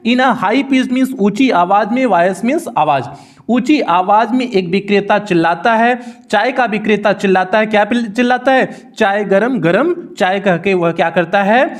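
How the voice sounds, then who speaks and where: A man with a North Indian accent teaching a textbook lesson, reading each phrase and then repeating its meaning slowly. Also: high-pitched. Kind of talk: bilingual line-by-line textbook explanation.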